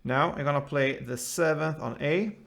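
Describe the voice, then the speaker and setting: A man giving an informal step-by-step guitar lesson in short, halting phrases as the host. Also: on the high side, gravelly. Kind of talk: step-by-step instrumental tutorial. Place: indoors, small room, seated with guitar. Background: acoustic guitar playing.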